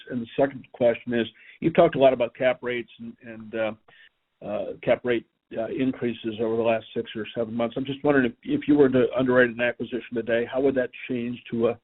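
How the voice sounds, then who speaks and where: A man asking questions as an analyst on a conference call, in a conversational way, over a phone line. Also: mid-range voice. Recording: narrow, radio-like phone line.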